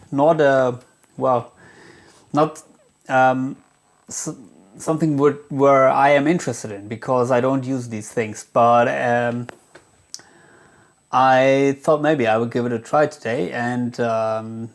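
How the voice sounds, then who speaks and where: A man giving a casual tutorial as a guitar gear demonstrator, speaking in a halting way with many filled pauses. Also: mid-range voice, fairly even intonation.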